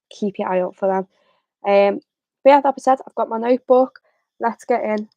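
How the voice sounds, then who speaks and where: A young woman hosting a football livestream, chatting casually with a slightly raspy voice and plenty of fillers. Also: medium pitch, dry recording. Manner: chatty, relaxed, many fillers. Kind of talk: casual live chat.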